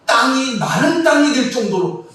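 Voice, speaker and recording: A man's voice: very high-pitched, big pitch swings, normal speed, fairly bright tone. A male pastor preaching a sermon, asking the congregation questions and leading them in reading scripture aloud together. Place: church sanctuary. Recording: distant echoey church hall with faint room noise.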